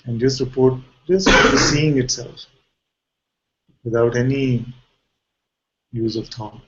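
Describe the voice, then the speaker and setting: A man leading an informal guided spiritual dialogue as a teacher, asking probing questions and pausing mid-sentence. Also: medium pitch, steady tone, fairly bright tone, lo-fi sound, a little hiss or hum.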